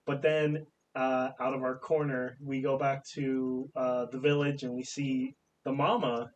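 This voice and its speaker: A man playing his character in a tabletop game, answering in short, dry replies. A clear hiss and low rumble sit under his voice. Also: little pitch movement, a little slow. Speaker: player. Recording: noisy mic with rumble.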